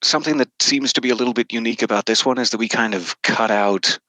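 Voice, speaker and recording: A man's voice: mid-range voice, fast talker, bright, forceful tone, no echo, poor audio. A man giving a casual interview as a voice actor guest, joking and self-deprecating as he talks.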